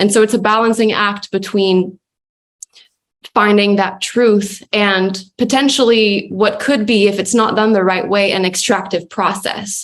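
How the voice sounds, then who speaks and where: Speaking in a Quebec accent, a woman holds a medium pitch with monotone, flat intonation. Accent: French Canadian accent in English. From Quebec, Canada. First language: French. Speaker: reporter. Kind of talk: webinar panel discussion. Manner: hesitant with fillers.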